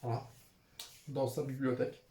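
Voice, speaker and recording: A man's voice: medium pitch, little pitch movement, moderate pace, dark tone. A young man chatting casually as a vlogger, filling his talk with frequent hesitations. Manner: chatty, with frequent "euh" and "voilà" fillers. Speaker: manga vlogger showing his purchases. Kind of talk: casual unscripted vlog chat. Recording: roomy echoey room.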